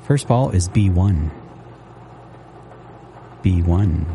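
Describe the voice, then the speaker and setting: A man calling bingo numbers on local radio, repeating each one slowly and steadily. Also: low voice, lively intonation, mellow, a little hiss or hum.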